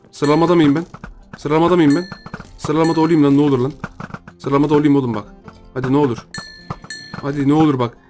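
A young man hosting a gaming channel, giving casual, joking commentary as he plays and talks to his viewers, often repeating phrases as he pleads with the game. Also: mid-range voice. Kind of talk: casual let's-play commentary.

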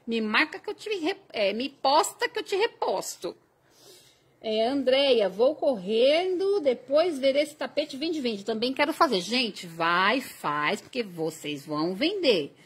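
A woman's voice: on the high side, big pitch swings, a little slow, husky. A Brazilian woman teaching crochet on a live stream, chatting and reading viewer comments aloud. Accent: Brazilian Portuguese.

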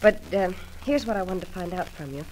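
An actress playing an earnest, polite young heroine in an old-time radio soap opera. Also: female voice, lowish voice, fairly quick, darkish tone, lightly acted. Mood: earnest, concerned. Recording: noisy old radio recording.

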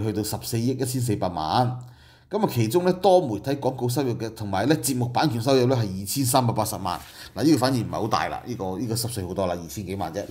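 A middle-aged man with a Hong Kong Cantonese accent talks through company figures in a relaxed commentary style. His voice sits at an ordinary pitch and has a warm, mellow tone. He adds asides and rhetorical questions as he explains. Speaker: political commentary host. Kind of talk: casual commentary.

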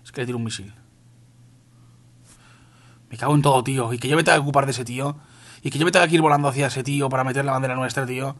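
Young guy from spain w castilian accent, chatty excitable gameplay commentary, swears a lot, medium pitch. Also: very fast, long pauses. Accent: Spain Spanish. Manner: excitable, swears, addresses viewers as "tío". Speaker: gaming youtuber.

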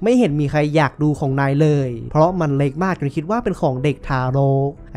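A man recapping a film in a chatty, colloquial way, tossing playful slangy nicknames at the characters. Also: a little high. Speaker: movie recap narrator. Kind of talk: casual spoken movie recap.

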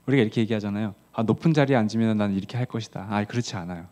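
Korean pastor preaching conversationally. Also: male voice, very fast. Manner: conversational preaching, voicing quoted lines with rising pitch; drops to soft low tones on key words. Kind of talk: early-morning sermon.

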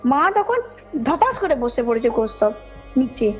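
A woman's voice: high voice, sing-song, measured pace. A woman tells a personal story as a caller, informally and emphatically, often checking that her listener follows. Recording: muffled call audio under loud music. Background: background music.

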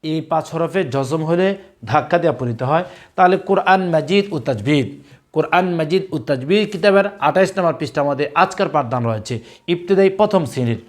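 A male Quran and tajweed teacher gives a recorded lesson to young pupils, spelling out letters loudly and slowly and repeating each drill several times. His voice is on the high side.

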